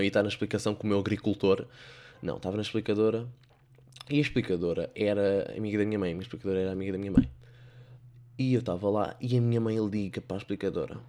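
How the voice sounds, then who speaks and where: A young man with a European Portuguese accent rambles through funny stories in a solo podcast. His voice sits on the low side, and his sarcastic asides keep tumbling into one another. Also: dark tone. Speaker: podcast host. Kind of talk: comic storytelling monologue.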